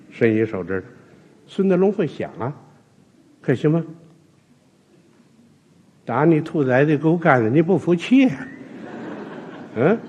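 A man's voice: fairly high pitch, a little mellow, breathy edge, lo-fi sound. A man telling a traditional comic story, switching between voices for the characters.

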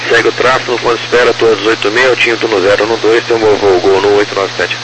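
A man's voice: on the low side, flat delivery, quick pace. A Brazilian man working as an air traffic controller, giving formal, clipped procedural callouts over radio. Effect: radio transmission.

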